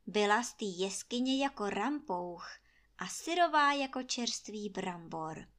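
A woman storyteller reading a fairy tale aloud in a lively, expressive way. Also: medium pitch.

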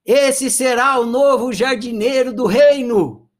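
A man's voice: very high-pitched, takes it slowly, voice pushed up. A man voicing a wise old king making solemn proclamations in a spoken folk tale.

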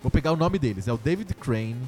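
Man from brazil, casual storytelling, mellow tone, faint music behind. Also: medium pitch, quick pace. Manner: animated, laughs often.

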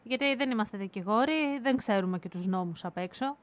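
Lively, teasing Greek woman hosting a podcast. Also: mid-range voice. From Greece. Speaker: podcast host. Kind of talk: casual podcast chat.

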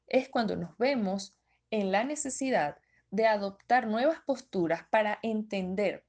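A woman's voice: mid-range voice, a little mellow. A woman presenter explaining a topic in a methodical way, often restating her key terms. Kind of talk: explanatory talk.

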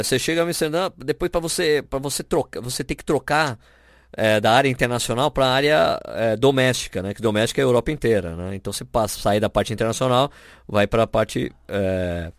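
A man's voice: mid-range voice, dry recording, studio quality. A man with a Brazilian accent, telling anecdotes in casual chat on a podcast and acting out the people he quotes. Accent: Brazilian Portuguese. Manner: animated, acts out quoted people. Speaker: podcast host.

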